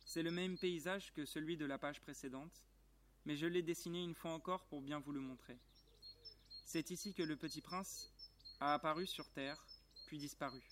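A man reads a storybook aloud in a calm, measured and quietly moved voice that sits a little high for a man. He was recorded outdoors in a garden, with faint outdoor ambience and birdsong behind him. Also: a little hiss or hum. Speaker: reader.

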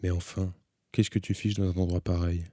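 A man's voice: low voice, level tone, moderate pace, warm tone, no echo, studio quality, natural voice. A man reading an audiobook, voicing a blunt, teasing teenage girl who fires insistent, needling questions.

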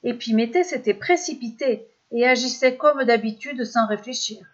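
A woman narrates a serialized children's myth with expressive, measured storytelling. Her voice sits fairly high. The recording sounds dull and lo-fi.

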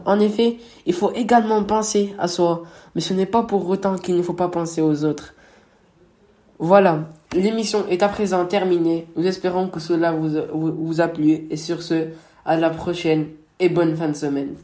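A man's voice: sits high, steady tone, normal speed, mellow. A man co-hosting a radio show about words, reading his part and teasing his partner playfully. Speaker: co-host of a word radio show. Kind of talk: scripted radio chat with teasing banter.

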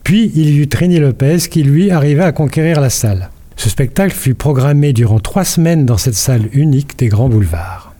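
A man's voice: fairly high pitch, brisk, few pauses, warm tone. An older man from France giving a local radio culture column, telling an anecdote in a playful, storytelling way and quizzing the host. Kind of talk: radio chronicle, partly read.

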